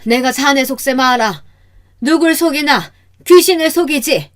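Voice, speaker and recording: A woman's voice: medium pitch, animated, takes it slowly, mellow. A woman voicing a stubborn, scheming older mother-in-law who snaps back with indignant retorts.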